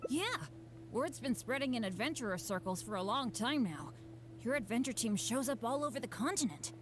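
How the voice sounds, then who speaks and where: An eager teenage boy adventurer from a video game, acted by a woman, pitched fairly high. He sounds boyish and earnest, quick to put himself down and a little hesitant. Game music plays clearly behind him. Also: expressive, close to an everyday voice. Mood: admiring.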